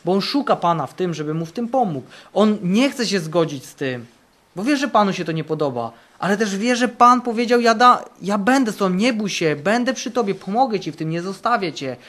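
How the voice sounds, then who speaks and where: A male camp preacher in full sermon mode, his fairly high voice rising for bold declarations and dropping for quiet, earnest passages. He drives points home by repeating key phrases. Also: lively intonation, brisk. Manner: fervent, repeats phrases for emphasis, swings between loud and hushed. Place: camp meeting.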